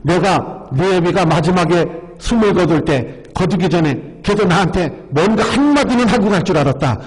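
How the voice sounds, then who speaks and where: A man's voice: sits high, expressive, moderate pace. A man putting on an indignant old widow. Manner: exasperated, demanding. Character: indignant elderly widow scolding her son. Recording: long church-hall reverb.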